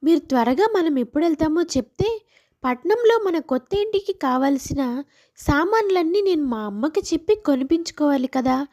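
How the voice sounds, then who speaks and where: A woman's voice: high-pitched, expressive, normal speed, dark tone. A woman voicing a scheming young village wife who longs for city life, in a moral story. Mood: pressing.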